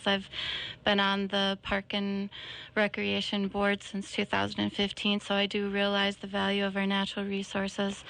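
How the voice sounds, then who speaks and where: A middle-aged woman from Minnesota giving measured, prepared remarks as a council candidate on a radio forum. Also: medium pitch, creaky, a bit bright, rough recording. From Minnesota, United States.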